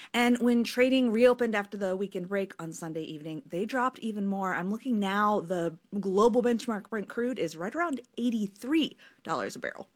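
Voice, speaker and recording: Woman correspondent explaining stuff on air, pitch moves around a lot, easy restarts. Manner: fluent, with small restarts. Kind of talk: news explainer in conversation.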